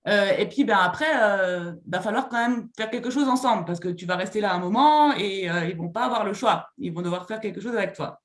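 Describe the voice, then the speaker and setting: A language theatre facilitator answering a panel question on a video call, hesitant and full of fillers, with lively examples. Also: medium pitch, a little fast, hardly any pauses, reverberant.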